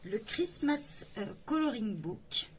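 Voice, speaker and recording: Casual coloring channel lady, kinda high voice, lots of umms, slight background hum. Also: very animated, slow pace. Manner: chatty, hesitant with many fillers. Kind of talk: casual book flip-through.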